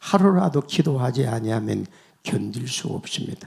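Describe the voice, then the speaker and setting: With vocal fry and very wide pitch swings, a man talks at a fairly slow pace. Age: 80s+. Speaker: guest pastor. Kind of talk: sermon.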